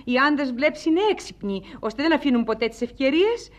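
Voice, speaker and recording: A dignified wife who has been wronged, in theatrical comedy style. Her voice is high and formal, with cool self-possession and a sharp, dry tongue. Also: animated. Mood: coolly defiant. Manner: composed, formal, dryly ironic. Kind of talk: theatrical stage-comedy acting.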